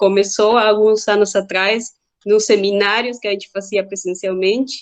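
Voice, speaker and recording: A woman with a Spanish accent at a moderate pace. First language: Spanish (speaking Portuguese). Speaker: doctoral student. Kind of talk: self-introduction in online seminar.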